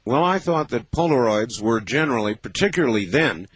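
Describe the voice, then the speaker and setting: A man of fifty hosting a late-night call-in radio show, talking in a thoughtful, measured way with many pauses and fillers. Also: medium pitch, animated. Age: 50s. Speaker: radio talk show host.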